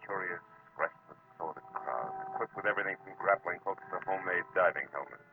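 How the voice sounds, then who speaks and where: A man's voice: sits low, a little fast, creaky. A man acting a world-weary, hard-boiled American private detective with a wry, clipped delivery in 1940s radio drama style. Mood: brooding. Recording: muffled, noisy old radio recording.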